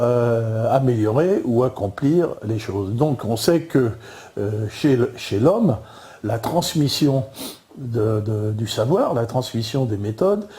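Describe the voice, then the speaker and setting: An older man with a Parisian accent lectures casually, stumbling through repeated words and constant fillers. His voice sits dark and mellow at a middling pitch. He explains ideas over slides in a relaxed, unscripted way. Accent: Parisian French.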